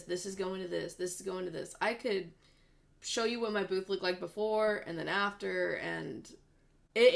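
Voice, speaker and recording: Upbeat young woman with a gravelly edge. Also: mid-range voice. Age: 20s. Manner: upbeat, earnest storytelling. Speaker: voice actress and guest. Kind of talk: casual interview chat.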